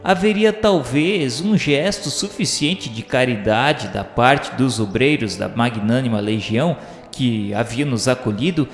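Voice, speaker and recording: A man's voice: medium pitch, a little slow, few pauses. A man with a Brazilian accent narrating a radio novel in a solemn, literary, theatrical way. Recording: echoey, long reverb, music underneath.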